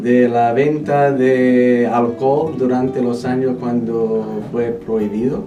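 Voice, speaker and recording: A man talks at a very slow pace with fairly even intonation and a medium pitch, with music in the background and audible room echo. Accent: English. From US, New York State. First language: English (speaking Spanish). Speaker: pastor. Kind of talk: radio interview.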